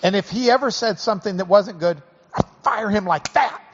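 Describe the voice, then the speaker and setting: A man with a Texan accent hosts a live interview before a class, folksy and joking as he slows things down to explain. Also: sits high. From Texas. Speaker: host. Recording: dull audio with long hall reverb.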